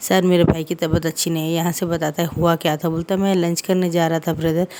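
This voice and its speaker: Speaking at a fairly quick pace, a woman with a fairly low pitch and a dark, mellow tone keeps a flat, monotone intonation. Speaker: fan fiction narrator. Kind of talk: storytelling narration. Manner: casual, conversational.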